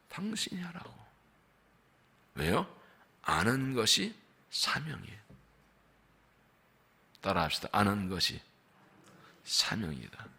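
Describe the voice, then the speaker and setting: A man preaching a dawn revival sermon as senior pastor, swinging between fervent outbursts and hushed asides and acting out the dialogue of biblical figures. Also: sits high, breathy edge.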